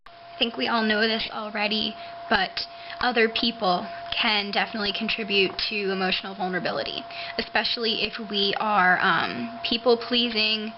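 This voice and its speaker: A woman's voice: mid-range voice, fairly even intonation. Woman with hissy lisping s, noisy webcam. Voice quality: lisping, hissy drawn-out s sounds. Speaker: video blogger. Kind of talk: casual monologue to webcam. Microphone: webcam microphone. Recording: noisy dull webcam audio, hissing sibilance.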